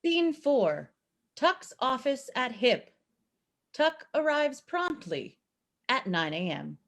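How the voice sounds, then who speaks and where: A woman's voice: high-pitched, sing-song, slow pace, a bit bright. A woman reading stage directions for a play as scripted narration.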